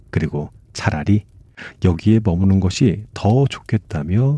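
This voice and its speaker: This man has a fairly low pitch, a dark, mellow tone and a somewhat breathy voice with lively intonation. His delivery is calm and soothing, with a dry, close sound and no echo. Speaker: audiobook narrator reading a book aloud. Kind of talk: sleep story audiobook narration. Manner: soft, calm, soothing.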